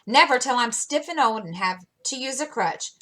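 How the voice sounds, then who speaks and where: A woman's voice: on the high side, animated, normal speed, pushed and bright, pitched above the performer's own voice. Woman reading as fierce tomboy Jo. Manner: blunt and fierce. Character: spirited tomboyish teenage girl Jo.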